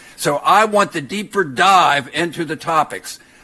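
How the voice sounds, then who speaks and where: A man speaks with ordinary pitch variation. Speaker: school board member. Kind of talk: board meeting debate. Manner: fast.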